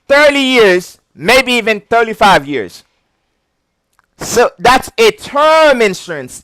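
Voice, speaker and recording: A man with a very high-pitched voice and a heavy non-native English accent teaches an insurance licensing lesson in a casual video. He's animated, repeats key points, and chuckles often, on poor audio with no room sound.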